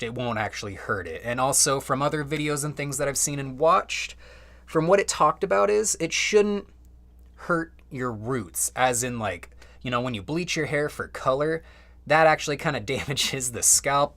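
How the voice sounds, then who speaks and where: A man's voice: medium pitch, pushed and bright. A young man casually chatting on a live stream from home, loose and slangy with lots of fillers. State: slightly out of breath.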